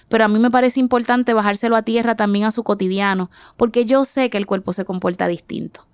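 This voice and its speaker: A woman's voice: mid-range voice, clean tone, no room sound, clean studio sound. A woman in her forties from the Dominican Republic, answering interview questions reflectively and searching for her words. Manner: thoughtful, searching for words, frequent restarts. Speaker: artist guest.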